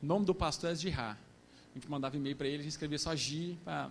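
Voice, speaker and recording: A man's fairly high voice with vocal fry, very fast pace and fairly even intonation. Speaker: missionary. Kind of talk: testimony.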